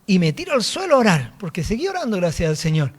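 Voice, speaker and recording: High, animated preacher man. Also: fast talker, breathy edge. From Chile. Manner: storytelling, animated, acts out dialogue. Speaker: apostle preaching. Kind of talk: sermon testimony.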